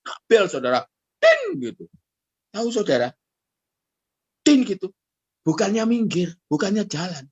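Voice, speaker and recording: Animated pastor preaching. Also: male voice, high-pitched, moderate pace, breathy edge, no room sound, highs cut off. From Indonesia. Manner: animated storytelling, acts out quoted voices, addresses the congregation directly. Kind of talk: sermon.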